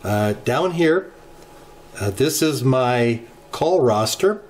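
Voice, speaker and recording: A middle-aged man hosting a ham radio channel, walking through software settings in an unhurried tutorial with many filler pauses, recorded at a desk in his home radio room. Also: mid-range voice, lively intonation. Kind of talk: screen-share software tutorial. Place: home radio shack, indoors.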